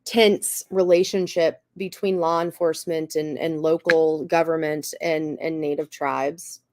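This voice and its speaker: A woman with a slightly raspy voice and a cough, earnestly explaining things as a guest speaker, often saying "you know" and "um". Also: sits low, fairly even intonation, unhurried, noisy background. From Cherokee Nation. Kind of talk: explanatory talk.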